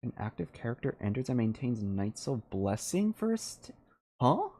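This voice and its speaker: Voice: mid-range voice, big pitch swings, normal speed, warm tone, breathy edge. A video game streamer giving casual live gameplay commentary, thinking aloud hesitantly and often trailing off mid-sentence.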